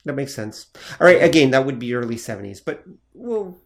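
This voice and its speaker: A man co-hosting a relaxed podcast, checking details aloud and stopping on fillers. His voice sits at an ordinary middle pitch. He sounds attentive and unhurried. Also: vocal fry. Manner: attentive, reads out facts with hesitant fillers. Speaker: podcast co-host. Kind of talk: casual chat.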